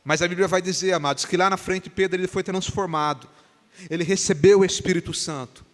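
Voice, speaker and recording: A man from Brazil, a pastor, preaching an animated sermon in a church and acting out the dialogue of the story. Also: high-pitched, a little fast. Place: church sanctuary. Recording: long church reverb.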